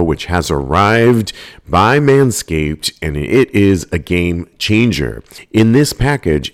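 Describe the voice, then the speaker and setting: A man with a deep, low voice reads a podcast sponsor spot. The delivery is scripted yet conversational, told candidly like a personal story. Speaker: podcast host reading a sponsor ad.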